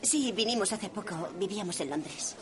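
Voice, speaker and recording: A woman's voice: mid-range voice, lively intonation, moderate pace, crowd noise, lightly acted. An actress dubbing a struggling young mother who talks politely and apologetically.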